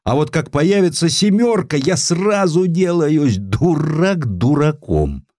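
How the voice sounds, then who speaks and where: Мужчина изображает жалобного школьника, голос высокий. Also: male voice, on the high side, expressive, takes it slowly, darkish tone, dry recording, clean studio sound, pitched above the performer's own voice. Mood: tearful pleading. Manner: plaintive, pleading. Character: tearful, clumsy schoolboy pleading for help.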